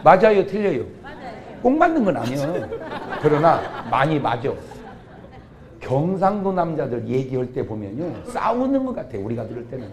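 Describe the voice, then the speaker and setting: A middle-aged man, a pastor, preaching a comic revival sermon, jumping from quiet asides to sudden shouts. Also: on the high side. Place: church revival meeting.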